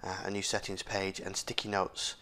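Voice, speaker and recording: A man's voice: low-pitched, monotone, normal speed, sharp tone. A man with a scratchy, sore voice, casually hosting a tech walkthrough with frequent fillers and restarts. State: hoarse, sore throat. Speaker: tech video host. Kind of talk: casual screen-recorded walkthrough.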